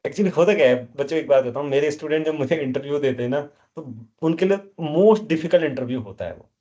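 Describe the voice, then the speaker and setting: A man teaches math to his class with a voice on the high side, warm in tone and a little fast, though the sound is lo-fi. Throughout the lecture he scolds and keeps questioning the students.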